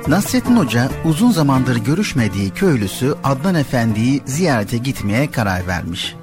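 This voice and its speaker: A man's voice: medium pitch, sing-song, moderate pace, music in the background. A man narrating a scripted folk tale as a storyteller on a radio show.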